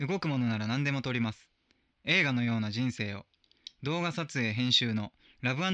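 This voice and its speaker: In a quiet setting, a man with a bright, sharp tone talks at a moderate pace in a medium pitch with ordinary pitch variation. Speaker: illustrator, substitute co-host. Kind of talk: casual chat. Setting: studio.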